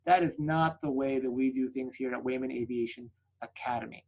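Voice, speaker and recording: This native Spanish speaker talks a little fast in a gravelly, somewhat mellow voice while promoting a flight school over a webinar. His pitch is upbeat, frequently capped with "right?", and the recording quality is low.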